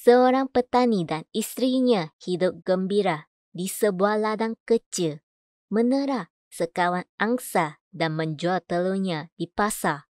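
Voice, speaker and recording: A woman reading scripted voice-over in a measured, clearly enunciated way. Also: medium pitch, a little mellow, no echo, clean studio sound. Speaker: voice-over artist. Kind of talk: scripted voice-over demo: adverts, narration, announcements.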